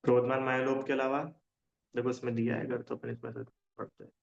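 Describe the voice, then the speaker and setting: A man's voice: medium pitch, flat delivery, fast, creaky. A man teaching a religion class in casual Hindi. He often checks whether his students understand and explains with everyday examples. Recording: dull lo-fi sound.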